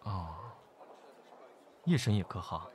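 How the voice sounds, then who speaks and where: A man playing a calm, courteous, gently chiding young man in an amateur radio drama. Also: sits low, slow, a little hiss or hum, exaggerated voice. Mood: composed. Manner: composed, courteous.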